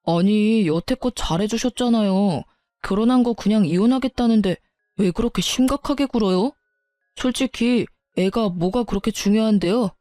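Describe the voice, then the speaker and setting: A selfish, entitled grown son whines and waves off his parents, voiced by a woman in a story reading. The tone is dark and mellow, recorded close and dry. Faint music sits under the voice. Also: medium pitch, normal speed, no room sound, close to an everyday voice. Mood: whiny. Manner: whiny, dismissive complaining.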